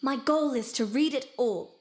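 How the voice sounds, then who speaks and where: A woman voicing a bright, curious, bookish young girl in a video game, eager and earnest. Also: high-pitched, unhurried. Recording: long reverb, faint music behind. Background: faint game music.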